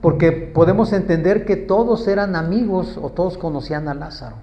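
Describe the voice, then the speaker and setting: A man's voice: sits high, brisk, muffled recording. A man preaching a sermon in a conversational way, asking the congregation questions and acting out quoted pleas.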